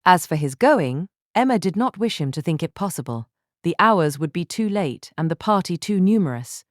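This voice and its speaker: A woman reading a literary audiobook as narrator, measured and articulate. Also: lowish voice, animated, no room sound, studio quality.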